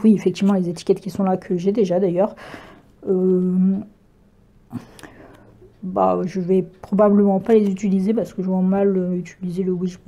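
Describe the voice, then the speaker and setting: A woman talks through her craft purchases in a loose, chatty way, pausing on fillers and correcting herself as she goes. Her voice is mellow and warm rather than bright, and her pitch sits in a middle range. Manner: chatty, hesitant, many fillers and self-corrections, laughs easily. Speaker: craft vlogger. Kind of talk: casual unboxing chat.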